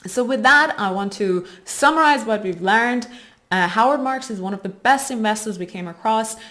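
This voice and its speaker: A woman's voice: fairly high pitch, normal speed, pushed and bright. Woman explaining investing research. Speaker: host of an investing video channel.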